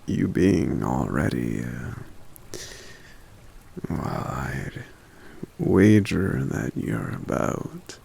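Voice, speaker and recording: A man voicing a gentle, courteous forest giant in an ASMR roleplay, speaking softly and hesitantly with polite hums and pauses. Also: sing-song, full character voice. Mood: gentle, caring. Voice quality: very deep, gravelly.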